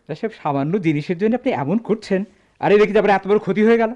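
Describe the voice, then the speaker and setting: An actor playing a brisk, emotional middle-aged jewellery merchant in a radio drama, speaking emphatically and theatrically. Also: male voice, high voice, darkish tone, lightly acted. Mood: irritated. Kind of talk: Bengali radio drama acting. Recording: dull lo-fi radio drama sound.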